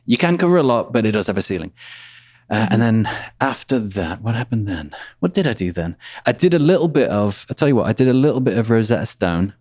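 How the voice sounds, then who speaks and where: A man's voice: on the low side, big pitch swings, a little fast, darkish tone, no echo, clean studio sound. A man, a podcast guest chatting in a laid-back, rambling way. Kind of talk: casual conversation.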